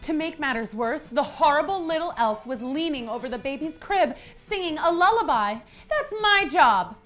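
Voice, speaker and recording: Female children's storyteller: high, very lively, playful and theatrical, comic asides, music bed. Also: normal speed. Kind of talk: animated first-person fairytale narration. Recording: music behind the voice.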